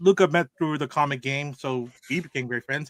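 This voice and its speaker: A man with an ordinary speaking voice talks at a moderate pace and a fairly high pitch, his intonation fairly even, on a very clean recording with a silent background and a dry, close sound with no echo. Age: 40s. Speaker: podcast co-host. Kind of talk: casual chat.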